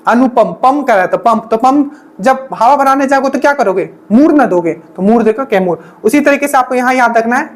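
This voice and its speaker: A woman teaching an exam-prep lesson, repeating each memory trick and checking in with the class again and again. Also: fairly high pitch. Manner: repetitive drilling, frequent checking-in asides.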